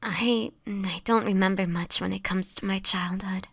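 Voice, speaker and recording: A woman playing a sickly, homeless vampire in an intimate audio roleplay, speaking softly and haltingly, often in a whisper, with formal old-fashioned wording and gentle melancholy. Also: medium pitch, fairly even intonation, vocal fry, no echo. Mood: wistful, tender. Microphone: close microphone, dry.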